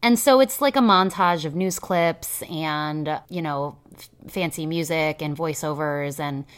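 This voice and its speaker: A woman's voice: low voice, a little slow, clear, resonant tone. A woman co-hosting a podcast, talking casually with many fillers in a cynical, hedging way. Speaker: podcast co-host; teacher.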